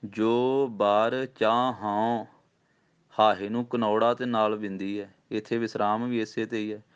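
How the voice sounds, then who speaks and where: A man teaches scripture recitation, slowly spelling out each syllable. His voice is low, smooth and resonant. The recording sounds dull and lo-fi. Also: level tone. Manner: patient, slow spelled-out recitation. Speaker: Gurbani pronunciation teacher. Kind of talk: recitation lesson.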